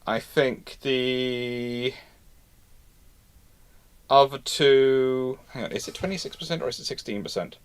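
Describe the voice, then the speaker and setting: A man hosting an unscripted question-and-answer talk, speaking emphatically but haltingly, doubling back and repeating himself to stress points. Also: mid-range voice, smooth. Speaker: naval history host answering live questions.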